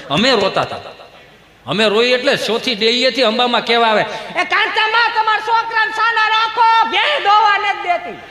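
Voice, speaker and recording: Bright-voiced Gujarati stage comedian. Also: male voice, sits high. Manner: chatty, animated, jumps between character voices. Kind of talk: folk comedy storytelling. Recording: echoey hall with faint noise.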